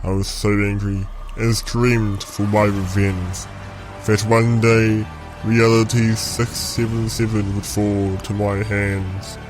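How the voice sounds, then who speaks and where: A man playing a low, gloating vengeful villain. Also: little pitch movement, rough recording. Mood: bitter, then cold, vengeful. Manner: gloating, deliberate, theatrical storytelling. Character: vengeful male clone villain plotting to destroy a reality. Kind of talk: scripted audio roleplay monologue. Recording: music behind the voice.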